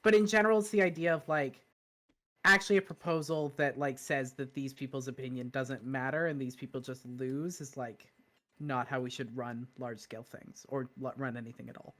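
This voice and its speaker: A woman's voice: extremely low pitch, steady tone, a little fast. A woman co-hosting a stream, thinking aloud in casual chat about a book she has been reading. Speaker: streamer and co-host.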